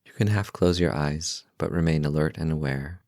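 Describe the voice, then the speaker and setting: In a dry, close recording with no room sound, a man whose voice is extremely low guides listeners through meditation. He's a podcast host, and his delivery is gentle and calm, in short, unrushed phrases broken by long pauses.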